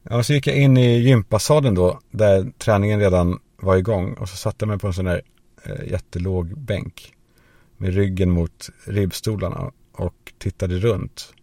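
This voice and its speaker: A man's voice: low voice, steady tone, mellow, no echo. A man hosting a podcast, telling a rambling, crude comic story as a monologue and acting out the voices of the people in it. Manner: rambling, crude anecdotal humor; acts out quoted voices. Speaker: podcast host.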